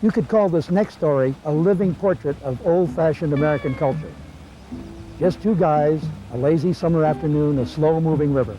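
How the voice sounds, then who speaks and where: A man's voice: a little high, moderate pace, dark tone. A man hosting a television nature documentary, reading scripted introductions. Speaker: television show host. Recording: dull lo-fi sound with music.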